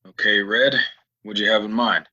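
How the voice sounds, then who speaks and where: Dull lo-fi sound, man acting as guarded cowboy drifter, low, sharp-edged rasp, halting, weary, western radio play. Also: fairly even intonation, slight background noise. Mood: wary. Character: weary, guarded male gunslinger stranger in a western. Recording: dull lo-fi home recording.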